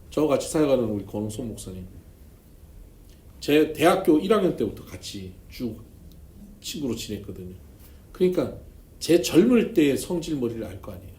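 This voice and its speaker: A man, a pastor, preaching at a church seminar and telling stories with humor and sudden emphasis. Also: mid-range voice. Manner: storytelling with humor, emphatic swings in loudness. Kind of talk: seminar sermon. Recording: echoey church room, faint noise.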